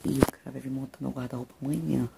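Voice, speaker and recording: A middle-aged Brazilian-accented woman vlogs from the small rooms of her home, chatting to the camera in a casual, rambling way. Her voice is rumbling low, steady, mellow, and fast, with vocal fry, and the noisy handheld recording comes from a phone held at arm's length.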